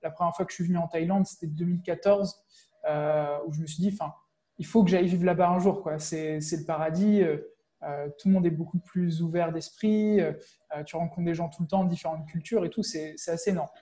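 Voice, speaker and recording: A young man interviewing a guest over a video call in a relaxed, encouraging way, through an earphone mic. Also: a little high, brisk. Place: home room with bookshelves.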